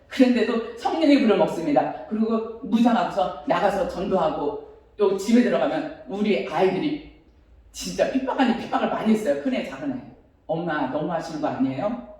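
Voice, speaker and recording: A woman's voice: medium pitch, expressive, brisk, warm tone. A woman in her fifties, a pastor's wife giving a fervent, emotional church testimony and often laughing as she speaks. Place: church sanctuary. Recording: very echoey church hall from far off.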